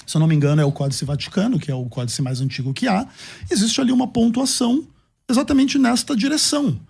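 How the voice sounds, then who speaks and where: A man giving a measured, formal rebuttal in a theological debate. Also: very high-pitched, animated, vocal fry, a little mellow, husky.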